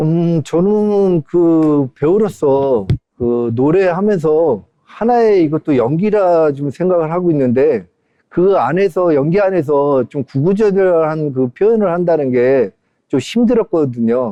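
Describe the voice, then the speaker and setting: A man talks at a very slow pace. His pitch is fairly high and his loudness very even. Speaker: singer and actor. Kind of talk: interview. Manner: hesitant, many fillers.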